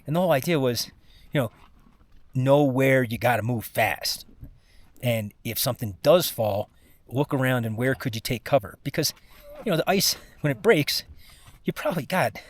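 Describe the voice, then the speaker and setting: Worn out guy doing a casual climbing vlog, weary and exhausted, rambles along in halting bits. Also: medium pitch, animated. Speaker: mountain climber recording a personal expedition vlog. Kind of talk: casual first-person vlog monologue.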